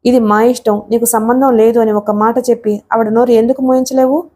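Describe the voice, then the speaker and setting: A woman's voice: fairly high pitch, level tone, a little fast, darkish tone, natural voice. A woman reading the part of a proud, stubborn young wife who reproaches her husband. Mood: reproachful.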